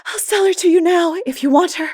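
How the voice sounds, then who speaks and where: High, melodramatic teenage girl. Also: brisk, a little mellow. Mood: flushed, snappish. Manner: breathless, exclamatory, dramatic. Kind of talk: dramatic audiobook character voice.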